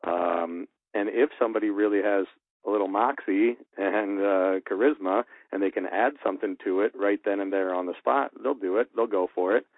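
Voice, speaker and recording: A man with a lowish voice explains voice-acting choices from a radio producer's view, candid and loose, full of fillers. The sound is thin and phone-like, with a dry, close quality and no room around it. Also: normal speed, no echo. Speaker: radio producer and audio engineer. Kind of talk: voice-acting advice talk. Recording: tinny phone-like line, dry.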